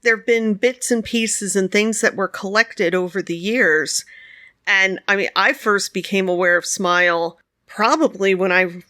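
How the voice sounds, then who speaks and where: A woman's voice: mid-range voice, unhurried, sharp tone, no room sound, clean studio sound. A woman co-hosting a podcast, chatting casually and telling stories with frequent laughter. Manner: chatty, laughs often, storytelling. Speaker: podcast co-host. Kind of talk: casual conversation.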